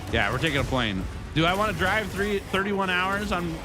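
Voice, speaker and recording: Music plays behind a man talking at a fairly quick pace, his pitch swinging very widely amid audible room echo. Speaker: gaming streamer. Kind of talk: live stream chat. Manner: casual.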